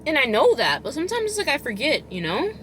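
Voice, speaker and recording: A woman chatting casually as a food vlogger, chewing while she talks, rambling and expressive with emphatic delivery. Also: sits high, fast, slight background noise. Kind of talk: casual chatty eating vlog.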